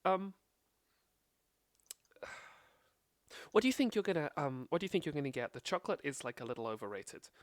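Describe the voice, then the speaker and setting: A woman's voice: low-pitched, sing-song, moderate pace, pauses often, no room sound, studio quality. A woman voicing a flustered young female shop owner in a tabletop role-play, stumbling over her words.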